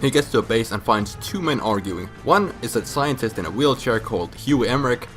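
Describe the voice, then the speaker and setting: A man's voice: medium pitch, lively intonation, a little fast, fairly bright tone, soft background music. A man sounding drunk, telling a story casually with crude, sarcastic, profane and rambling asides. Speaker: host of a comic video game storyline recap.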